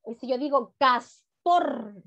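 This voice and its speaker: A woman's voice: sits high, lively intonation. A woman teaching a first-grade reading class over a video call, praising often and drawing words out. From Chile. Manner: warm encouraging praise, drawn-out words, frequent "muy bien". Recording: dull lo-fi video call audio.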